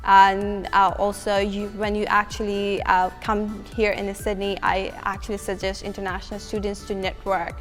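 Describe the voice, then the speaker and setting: A young woman from Nepal shares her student experiences, pausing often and searching for words. Her voice stays flat and even. It rings out in a long, reverberant hall, with faint music behind her. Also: medium pitch. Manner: hesitant, halting. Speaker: international student. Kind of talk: casual student testimonial.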